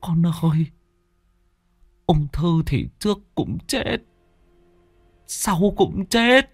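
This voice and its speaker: A man voicing a frail, sick old father who speaks slowly with a trembling, pleading voice. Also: high voice, lively intonation, creaky, breathy edge, dry recording, faint music behind, voice pushed up, exaggerated voice. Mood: sorrowful. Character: frail disabled old father, gravely ill and resigned.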